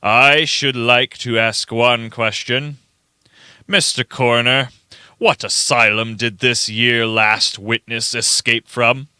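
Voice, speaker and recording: A man playing a blunt, rustic jury foreman of sixty in a radio play, slow and pointed. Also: mid-range voice, fairly even intonation, bright, forceful tone, smooth, dry recording. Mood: mocking.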